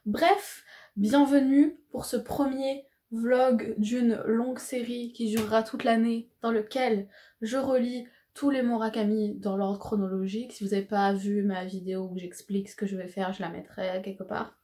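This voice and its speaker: A woman's voice: fairly high pitch, fairly even intonation, normal speed, dark tone. A woman in a casual vlog talking about books to camera in a chatty way, with lots of fillers and slang. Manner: chatty, full of fillers and slang, laughs often. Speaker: book vlogger.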